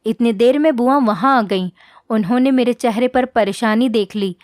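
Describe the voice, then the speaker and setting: A woman telling a heartfelt first-person story as a scripted narration, in a steady, earnest reading. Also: a little high, moderate pace, no echo, clean studio sound.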